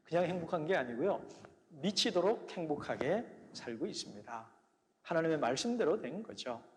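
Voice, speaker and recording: A man preaching a sermon as a pastor, telling his story earnestly and often dropping to soft, quiet phrases. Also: a little high, big pitch swings, moderate pace, slight background noise. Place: church sanctuary. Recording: church hall reverb.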